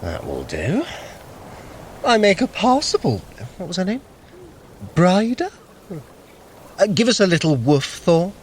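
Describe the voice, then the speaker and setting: A man's voice: sits high, wildly swooping pitch, slight background noise, heavily acted. An actor playing a sly, sardonic male trickster god in an audio drama. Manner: sardonic, teasing, quick-tongued.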